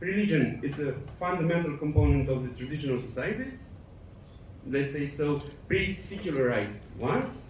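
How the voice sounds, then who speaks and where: A man with a Romanian accent speaks at a moderate pace, his pitch swinging very widely. Audible room echo surrounds the voice. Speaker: academic conference speaker. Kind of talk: conference presentation. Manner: halting, many filler sounds.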